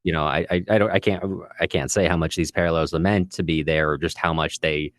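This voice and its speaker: A man's voice: a bass voice, steady tone, brisk, a bit bright, dry recording, studio quality. A man hosting a podcast in conversational literary discussion, thoughtful and a little tentative in how he puts his points. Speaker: podcast host.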